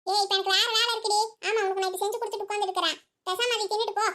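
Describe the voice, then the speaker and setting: A woman voicing a sharp-tongued old village mother-in-law in a cartoon, who scolds and teases with quick retorts. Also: very high voice, fairly even intonation. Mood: scolding. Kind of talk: cartoon voice acting.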